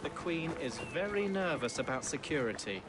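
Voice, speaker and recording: An actor playing a serious palace official who speaks in a grave, cautionary way. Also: male voice, a little high, big pitch swings, normal speed. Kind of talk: video game cutscene acting.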